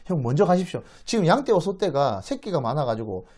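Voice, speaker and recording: A man's voice: on the high side, very animated, brisk, a little mellow. A man acting as nervous, pleading younger brother. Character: anxious scheming younger brother Jacob.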